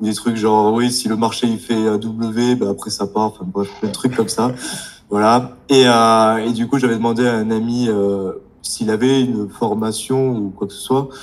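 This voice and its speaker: A man's medium-pitched voice at a fairly slow pace, with monotone, flat intonation. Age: 20s. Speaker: trading student. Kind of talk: casual chat. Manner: halting.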